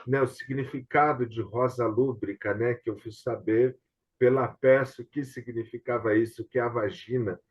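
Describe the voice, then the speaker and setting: A Brazilian host and theatre director has a medium-pitched, slightly rough voice with fairly even intonation and a moderate pace. He explains things in a casual online discussion, frequently checking for agreement through tag questions, over dull, lo-fi video-call sound.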